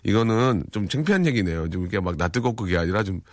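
A man hosts a studio radio show, playfully rambling through listener texts with plenty of fillers. His lowish voice is animated and fast, and there's no room sound.

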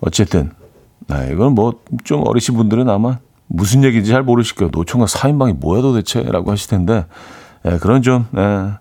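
A man's voice: fairly low pitch, fairly quick. Laid-back rambling male radio DJ. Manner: relaxed, rambling, many fillers. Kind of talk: casual radio chat reading listener messages.

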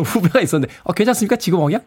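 A male radio DJ in the studio, talking in a playful way and laughing often. His voice sits a little high and swings lively up and down. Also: very fast, breathy edge. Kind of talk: radio show hosting. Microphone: studio microphone.

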